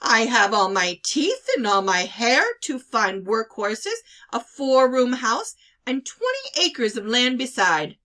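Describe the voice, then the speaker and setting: A woman's voice: on the high side, sing-song, slow, bright, forceful tone, full character voice. A woman voicing a big, jovial, teasing village uncle in a storybook reading. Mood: boastful, playful. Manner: hearty, boastful, teasing. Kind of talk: children's novel read-aloud.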